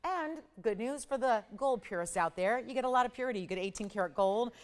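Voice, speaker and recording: A woman's voice: fairly high pitch, animated, fairly quick. A woman hosts a live jewelry sales show with a sniffly, slightly scratchy cold in her voice. She talks in a chatty, upbeat way, repeating words for emphasis as she counts prices down. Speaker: shopping channel host.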